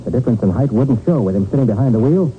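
A thin, lightly noisy 1940s radio recording carries a man acting a confident private detective. He reasons aloud briskly and with authority, his pitch moving freely as he lays out each point. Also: expressive, narrow, tinny audio, natural voice. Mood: reasoning, insistent. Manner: crisp, authoritative, explanatory.

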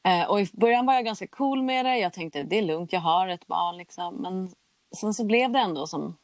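A woman's voice: mid-range voice, no echo. A young adult woman tells a personal story in a candid, chatty way and acts out the conversations she recounts. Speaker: guest telling her story.

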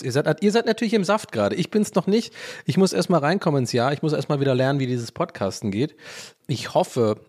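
With a slightly high, darkish voice, a German-accented man records a rambling podcast monologue by himself at a home microphone. Self-mocking and jokey, he repeatedly loses his train of thought and restarts.

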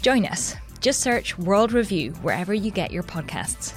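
A woman's voice: mid-range voice, big pitch swings, normal speed. Woman reading a promo over music. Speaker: podcast promo voice. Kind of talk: scripted promo read. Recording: music bed under the voice.

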